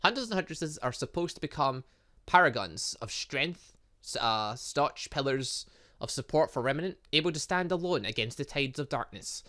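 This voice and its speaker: A man's voice: fairly high pitch, lively intonation, bright, forceful tone. Man reading as formal academy headmaster. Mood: measured, earnest. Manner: measured, formal. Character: calm, formal, supportive male academy headmaster.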